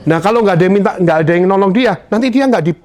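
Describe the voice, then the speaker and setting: A man runs a motivational sales session. His somewhat high voice swings widely in pitch as he jokes and acts out conversations with clients. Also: rapid-fire. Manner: lively, joking, acts out client dialogues. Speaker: insurance sales trainer. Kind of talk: motivational training talk to a live audience.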